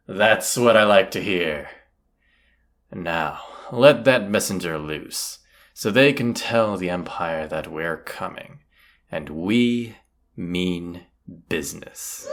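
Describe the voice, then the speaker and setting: A man's voice: low-pitched, a bit bright, heavily acted. A man playing a cocky, teasing, commanding bandit leader in a roleplay audio drama, casual and swaggering. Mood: rallying, bold. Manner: casual, teasing, swaggering, rhetorical tag questions.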